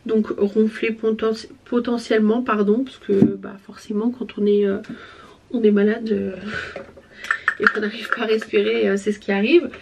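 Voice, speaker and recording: Chatty young woman, slightly hoarse. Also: a little high, little pitch movement, moderate pace, darkish tone, a little hiss or hum. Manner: chatty, rambling, many fillers. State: slightly hoarse voice after illness. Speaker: vlogger. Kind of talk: casual chat while getting ready.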